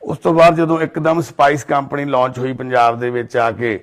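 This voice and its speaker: A man's voice: medium pitch, flat delivery, fairly quick. Earnest Punjabi man, narrating. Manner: earnest, soothing, speaks of divine duty. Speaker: charity volunteer host. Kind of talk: documentary narration and consoling talk. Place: outdoors in a residential colony.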